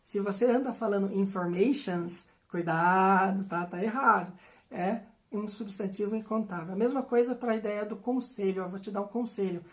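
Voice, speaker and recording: A woman with a Brazilian Portuguese accent, an English teacher explaining grammar patiently and repeating example sentences slowly. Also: mid-range voice, mellow. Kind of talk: explanatory language lesson.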